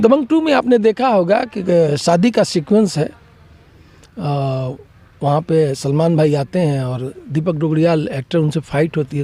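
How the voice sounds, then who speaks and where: A man with a Bihari accent speaks in a high pitch, his dark, mellow tone carried by lively intonation. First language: Bhojpuri (speaking Hindi). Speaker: film actor. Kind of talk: interview.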